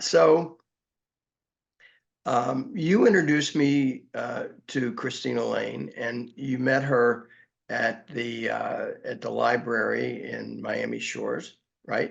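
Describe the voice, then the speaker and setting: The speaker uses a raspy, put-on character voice at a fairly slow pace. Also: man. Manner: speaking around a lozenge.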